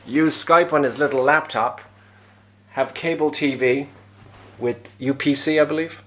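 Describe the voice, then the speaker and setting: A man's voice: a little high, fairly even intonation, a little slow. A man introducing an interview guest in a scripted, presenter-like style.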